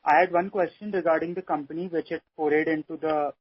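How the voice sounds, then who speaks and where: A man's voice: on the high side, steady tone, fast, husky. A man with an Indian accent asking a question as an analyst on an earnings call. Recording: noisy, muffled phone line with clicks.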